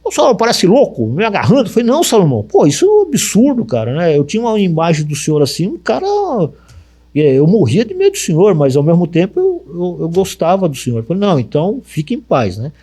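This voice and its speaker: A man's voice: sits high, fast talker, slightly rough. A middle-aged man with a Brazilian Portuguese accent, a radio announcer telling stories in an interview, acting out the dialogue as he goes. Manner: lively anecdote telling, acts out dialogue, frequent tag questions. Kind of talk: storytelling in an interview.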